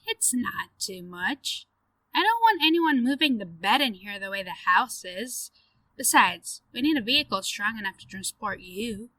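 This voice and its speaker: A woman's voice: mid-range voice, big pitch swings, normal speed, sharp tone, no room sound, poor audio. A woman playing a breezy, insistent, upbeat friend in an audio drama, emphatic and informal.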